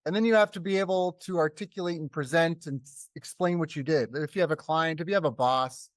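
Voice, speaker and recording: A man hosting an interview, reading his guest's introduction and then chatting with quick asides. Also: a little high, dry recording, clean studio sound. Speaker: podcast host. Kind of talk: interview host.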